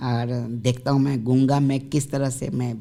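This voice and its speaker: His intonation fairly even, a man speaks in a medium-pitched voice with a dark, mellow tone. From India, Bihar (Muzaffarpur). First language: Bhojpuri (speaking Hindi). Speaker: actor. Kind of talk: interview.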